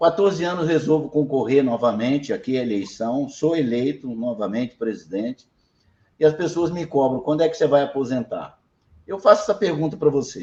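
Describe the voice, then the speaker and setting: A man talks at a moderate pace and fairly high pitch with lively intonation. His tone is dark and mellow. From São Paulo interior (Araçatuba). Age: 70s. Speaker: association president, interviewer. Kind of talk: interview.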